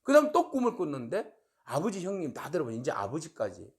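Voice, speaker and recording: A male pastor giving a short daily Bible-reading sermon, retelling the story with animated rhetorical questions. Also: on the high side, quick pace.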